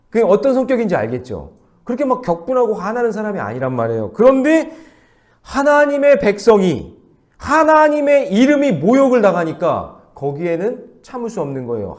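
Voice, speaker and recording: A man's voice: high voice, darkish tone. A male pastor giving an early-morning sermon, asking the congregation questions as he preaches.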